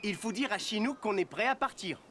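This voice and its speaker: A man's voice: sits high, expressive, a little fast, sharp tone, slight background noise. A man voicing a friendly, patient sled-dog driver in a children's cartoon, explaining things encouragingly. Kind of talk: animated children's cartoon dialogue.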